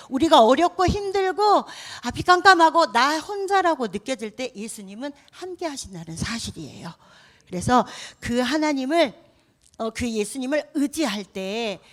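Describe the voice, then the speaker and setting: Woman, children's sermon, fairly high voice, animated storytelling, asks children questions, church service. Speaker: children's preacher.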